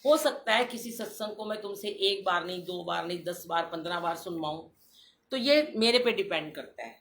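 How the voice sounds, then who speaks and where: An older woman giving an earnest devotional talk, telling a dream story and addressing listeners warmly as a congregation. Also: fairly low pitch, lively intonation, normal speed, slight background noise. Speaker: satsang speaker. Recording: roomy live stream with faint ambience.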